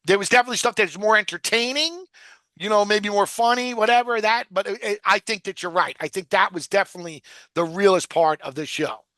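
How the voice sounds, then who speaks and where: A man's voice: high voice, brisk, bright, forceful tone, no room sound, clean studio sound. A man hosting a casual podcast, talking in loose, profane rambles full of fillers. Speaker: podcast host. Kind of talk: casual rewatch podcast chat.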